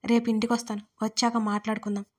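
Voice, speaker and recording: A woman's voice: fairly high pitch, flat delivery, fast, husky. Gagan, a stern, curt young man, read by a woman. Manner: curt, serious questions.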